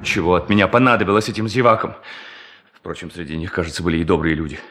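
An actor playing a tormented, self-loathing hermit preacher in a radio drama, declaiming theatrically and repeating words for emphasis. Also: male voice, low-pitched, fast talker, fairly bright tone. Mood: weary, brooding. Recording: music behind the voice.

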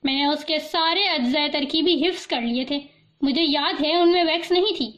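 A woman's voice: high-pitched, a bit bright, dull audio. A woman reading the part of a troubled young man who pleads anxiously for help in an audiobook. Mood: pleading. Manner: pleading, worried.

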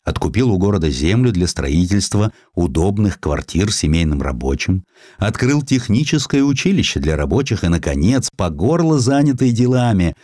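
A low-pitched man reads literary history aloud. His intonation moves widely and expressively while the delivery stays measured. The recording is dry and close, with very little room sound. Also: darkish tone, no echo. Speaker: audiobook narrator. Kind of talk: scripted literary narration of a historical essay.

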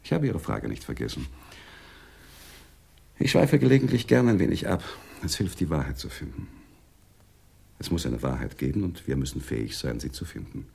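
Very deep, gravelly, philosophical Arab businessman. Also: big pitch swings, warm tone, full character voice. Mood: musing, philosophical. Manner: measured, musing, formally polite. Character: philosophical Arab businessman, polite, evasive, digressive. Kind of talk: radio drama acting.

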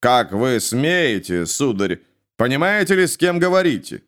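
A man voicing an indignant, excitable nobleman in a story. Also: mid-range voice, measured pace. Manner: indignant, exclaiming. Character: indignant male lord, excitable.

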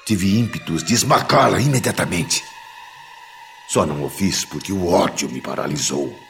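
A man's voice: sits low, lively intonation, moderate pace, gravelly, a bit bright, faint music behind, exaggerated voice. An actor playing a ruined, bitter, obsessed man in a Brazilian radio drama, speaking with anguished melodrama in a Brazilian accent. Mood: bitter disgust. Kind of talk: radio drama acting in Brazilian soap style.

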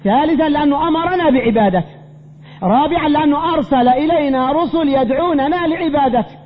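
A man's voice: extremely high pitch, fast talker. A man, a sheikh teaching a creed class, insistently quizzing his students and repeating emphatic phrases. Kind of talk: classroom religious lesson. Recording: reverberant hall, dull lo-fi, faint hum.

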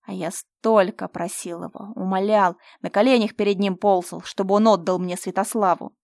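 A woman voicing a cruel, domineering young man who shouts threats. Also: on the low side, fast, no room sound, studio quality, lightly acted. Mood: menacing.

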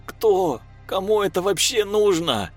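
A man voicing a young woman who is heartbroken and angry, with a high, strained delivery. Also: unhurried, slightly rough, soft background music. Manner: high, strained pleading and shouting. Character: young woman, tearful then panicked and angry.

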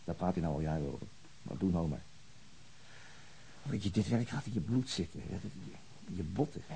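An actor playing a weary, principled veteran policeman in a radio drama, brooding and halting as he searches for words. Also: low-pitched, creaky, mellow, slight background noise, low-quality recording. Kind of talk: naturalistic Dutch radio drama acting.

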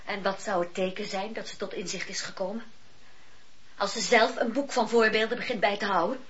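An actress playing an earnest, questioning gentlewoman in a historical radio drama, sincere and insistent. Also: mid-range voice, fairly even intonation, a little fast, husky. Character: earnest, affectionate but questioning Quaker gentlewoman. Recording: muffled lo-fi radio drama recording.

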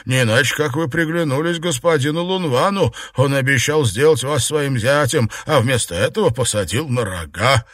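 A man's voice: medium pitch, lively intonation, takes it slowly, few pauses, bright, forceful tone, no room sound, studio quality, heavily acted. A man reading aloud and voicing a young nobleman who exclaims and then teases a relative. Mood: mocking. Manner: teasing, exclaiming. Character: mocking young nobleman, teasing and sly.

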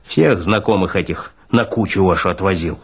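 A man's voice: deep voice, moderate pace, breathy edge, pitched below the performer's own voice. A man voicing a sullen, easily offended hearse driver in a literary reading, curt and aggrieved.

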